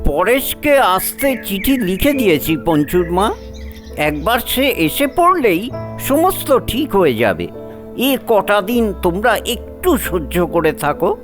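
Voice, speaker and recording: A man playing a patient, devoted old head of a household in a story, speaking in a measured, gentle but firm way. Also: sits high, big pitch swings, exaggerated voice. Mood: reassuring. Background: music.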